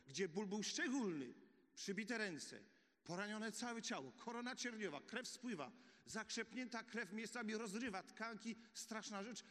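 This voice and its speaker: A man preaching a sermon, telling the story vividly and dropping to a hush for key points. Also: high-pitched. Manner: animated storytelling with dramatic drops to a hush. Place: church hall. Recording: echoey church hall.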